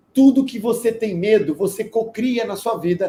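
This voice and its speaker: This man's voice is extremely high in pitch, with a dark, mellow tone. He speaks at a moderate pace. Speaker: relationship coach. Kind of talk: live stream talk.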